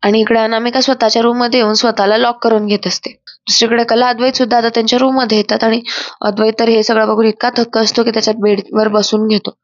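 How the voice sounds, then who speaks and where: A woman retells a serial episode in an emphatic, storytelling voice-over. Her voice sits a bit high. The recording is dry and somewhat muffled. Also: level tone, fast talker, no echo. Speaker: serial review narrator.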